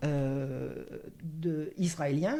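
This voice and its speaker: A woman's voice sits very deep and low, with a dark, mellow tone. It sounds somewhat breathy. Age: 70s. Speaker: historian and author. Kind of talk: interview.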